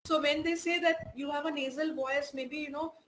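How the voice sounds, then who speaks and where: A woman with Indian English speech teaches an online lesson in a high voice. She explains patiently and fills her sentences with "you know". Faint noise sits under the recording. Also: fairly even intonation, moderate pace, fairly bright tone.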